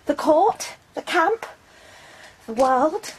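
A lively nun in a radio play, chatters with curiosity in a high, very animated voice. Faint ambience sits behind her. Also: extremely slow, a little hiss or hum, full character voice, poor audio. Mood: earnest, curious. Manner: animated, expressive. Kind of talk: radio drama acting.

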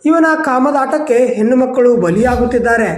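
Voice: mid-range voice, fairly quick, roomy sound. A news anchor from Karnataka with a Kannada accent, reading a scripted news intro with dramatic, indignant delivery.

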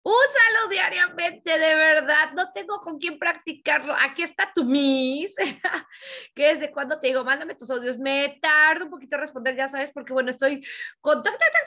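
Lady teaching english, encouraging, hops between n english, bright sound. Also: sits high. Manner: lively and encouraging, mixes Spanish with English examples. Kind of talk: casual teaching talk.

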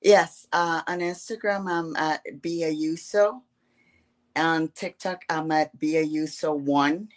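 A woman from Guatemala with a Spanish accent, answering interview questions over a video call in slow, halting speech full of fillers. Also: deep voice. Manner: halting, hesitant, many fillers. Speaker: guest.

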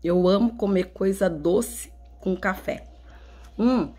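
A young Brazilian woman, a mother and vlogger, chats in a casual home vlog indoors, affectionate and often laughing. She speaks slowly in a warm, mid-range voice with a Brazilian Portuguese accent.

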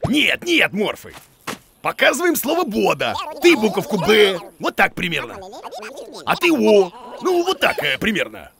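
A man's voice: high-pitched, wildly swooping pitch, measured pace, creaky, crowd noise, heavily acted. A man voicing a grumpy, pompous bearded monster teacher in a children's cartoon, blustering and exclaiming. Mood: exasperated.

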